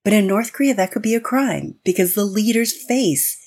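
A woman's voice: mid-range voice, animated, normal speed, a little mellow, slightly rough. An American woman speaking as a guest on an interview podcast, explaining in an earnest way with frequent restarts. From United States. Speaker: guest expert.

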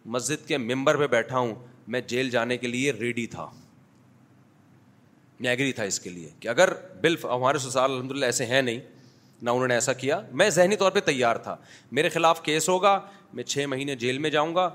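A man's voice: medium pitch, a bit bright. A man giving a sermon in a mosque, taking questions and telling blunt, humorous stories with acted-out dialogue. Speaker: mufti giving a Sunday lecture. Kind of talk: sermon with anecdotes and audience questions. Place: mosque, before a congregation.

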